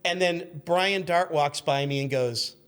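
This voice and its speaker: Higher-voiced man in his fifties, chatty storyteller. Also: unhurried, clean tone. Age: 50s. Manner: chatty, acts out quoted shouts. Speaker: podcast guest, magazine editor. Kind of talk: animated anecdote storytelling.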